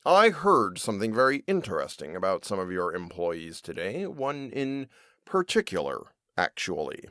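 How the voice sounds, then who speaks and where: A man acting in an audio drama as a smug, formal regional manager, measured and politely pointed, with quiet menace. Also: low voice, huge pitch swings, no room sound, exaggerated voice. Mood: politely menacing.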